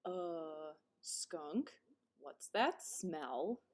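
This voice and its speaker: A woman voicing a cheerful, orderly Easter Bunny from a storybook, giving instructions brightly and easily exasperated. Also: low-pitched, expressive, extremely slow, voice pushed down, heavily acted. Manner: instructional, announcing steps brightly.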